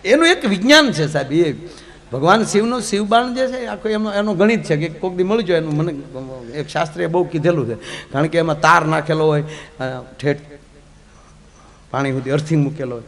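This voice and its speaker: A man telling comic folk stories in a lively, jokey way, moving between loud outbursts and hushed asides. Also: on the high side, brisk. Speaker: folk storyteller.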